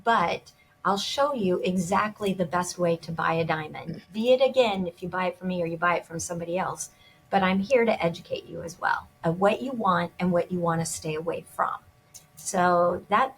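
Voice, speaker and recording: A woman's voice: fairly low pitch, a little hiss or hum, low-quality recording. A woman gemologist and jewelry designer speaking as an interview guest, enthusiastic and often restarting her sentences.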